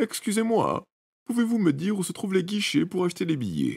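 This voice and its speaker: Using a put-on character voice, a man speaks at a high pitch and a fairly quick pace with ordinary pitch variation. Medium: read story.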